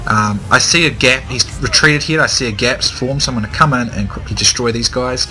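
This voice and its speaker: Bright-voiced man narrating a game. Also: medium pitch, a little fast, rough recording. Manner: hesitant, many ums and restarts. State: slightly hoarse, dry throat, coughing. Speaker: gaming commentator. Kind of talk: casual gameplay commentary.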